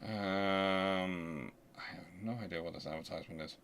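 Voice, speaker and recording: A man hosting a history channel, explaining informally and thinking aloud in a halting, conversational way. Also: low-pitched, steady tone, fairly bright tone, slight background noise. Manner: conversational, halting, muttering to himself while working.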